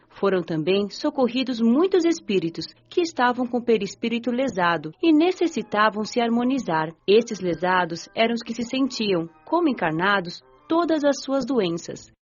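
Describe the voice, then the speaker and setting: A woman's voice: medium pitch, darkish tone, lightly acted. Woman as a reflective young female spirit, dull audio. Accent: Brazilian. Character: nineteen-year-old female spirit recalling her afterlife, earnest and compassionate. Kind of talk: scripted first-person audiobook narration, radio novel. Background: music.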